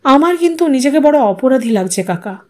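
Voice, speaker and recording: A woman's voice: high-pitched, lively intonation, fairly quick, a little mellow. A woman voicing a young village man in an audiostory, guilt-ridden, earnest and insistent. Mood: guilty.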